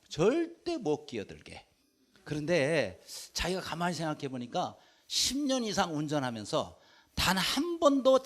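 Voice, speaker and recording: A man preaching a Sunday sermon as senior pastor, telling an anecdote and acting out the quoted dialogue with lively swings in voice. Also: high-pitched.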